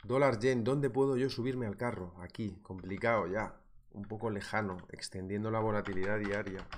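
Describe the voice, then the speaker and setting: A man with a Spanish accent from Spain and a somewhat low voice, chatting lively through a throat left sore by a cold. He hosts a live market webinar from a small room, speaking into a webcam setup. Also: moderate pace, slight background noise. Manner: lively, chatty, addresses viewers directly. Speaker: trading webinar host. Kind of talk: live market analysis webinar, reading viewer comments. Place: small indoor room at a desk.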